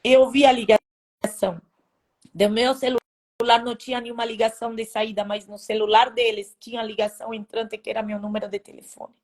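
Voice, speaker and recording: Testimony: woman, fairly high voice, halting emotional telling with restarts. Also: level tone, a little mellow. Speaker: testimony speaker. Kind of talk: personal faith testimony.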